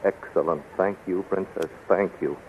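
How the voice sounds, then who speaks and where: An actor playing a courteous, resolute captive captain in a 1930s radio serial, formal and measured. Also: male voice, sits low, fairly even intonation, highs cut off, lightly acted. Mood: grave, reassuring. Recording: scratchy, thin 1930s radio recording.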